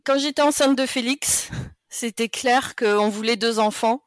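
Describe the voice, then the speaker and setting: A woman's voice: fairly high pitch, measured pace, no echo. A woman in her late thirties from France, a podcast guest chatting casually and laughing often between sentences. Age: 30s. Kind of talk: casual interview chat.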